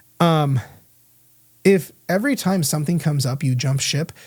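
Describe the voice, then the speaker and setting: A man's somewhat breathy mumbling at a moderate pace, animated in tone, with ordinary pitch variation. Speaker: weight loss coach, podcast host. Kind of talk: solo podcast monologue. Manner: mumbling and stuttering; animated, casual.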